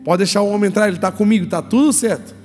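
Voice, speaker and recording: Brief: pastor playing a calm, reassuring apostle, fairly high voice, long reverb. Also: male voice, very fast. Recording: reverberant hall, faint music.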